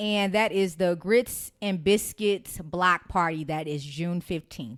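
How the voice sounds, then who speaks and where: A woman with a Southern US accent speaks very slowly. Her pitch is fairly low, with ordinary pitch variation. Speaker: podcast co-host. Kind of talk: casual chat.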